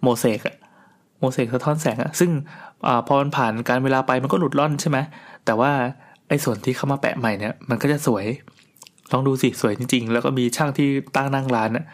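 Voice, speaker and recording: A man's voice: mid-range voice, a little fast. A middle-aged man casually telling a long personal story in a chatty, rambling way, with restarts and crude asides.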